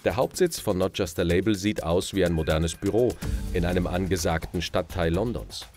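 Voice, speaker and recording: A man reading a scripted documentary voice-over in an even, measured way. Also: sits low. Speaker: narrator. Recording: voice-over with loud music behind.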